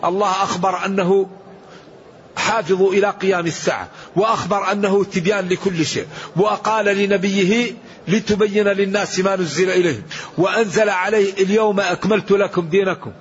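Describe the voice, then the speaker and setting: High-voiced man giving emphatic Quran commentary. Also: steady tone, brisk, highs cut off. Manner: earnest, emphatic preaching with quoted scripture. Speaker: Quran teacher.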